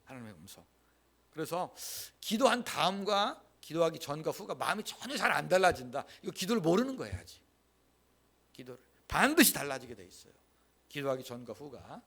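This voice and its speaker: A man preaching a Sunday sermon in a church, his voice sitting a little high and swinging widely up and down. He stresses key phrases by repeating them and has the congregation say lines back with him. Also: sing-song, a little fast, a bit bright. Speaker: pastor. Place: church sanctuary.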